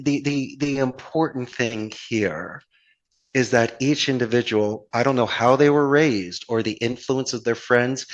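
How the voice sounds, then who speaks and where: A man's voice: mid-range voice, fairly bright tone, low-quality recording. A man from Philadelphia with a Philadelphia accent, talking as a podcast guest in an earnest, flowery, motivational way with plenty of rhetorical questions. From Philadelphia, United States. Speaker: podcast guest, call center owner. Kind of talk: conversational podcast interview, motivational anecdotes.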